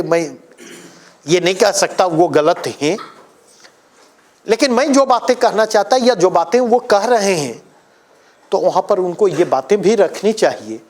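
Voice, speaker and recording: A man's voice: sits high, a little mellow. A man teaching an exam coaching class, lecturing emphatically and putting questions to his students.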